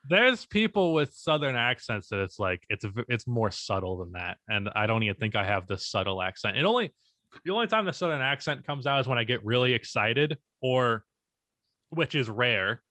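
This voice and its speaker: A young man co-hosting a casual podcast, speaking in an even, unexpressive tone and swearing casually. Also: mid-range voice, moderate pace, no echo. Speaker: podcast co-host and YouTuber.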